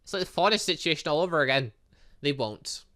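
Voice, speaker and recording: A man's voice: fairly high pitch, a little fast. A man hosting a gaming video, reading visual novel dialogue aloud with casual asides, stumbling over words and correcting himself. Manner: animated, exclaims and reacts playfully.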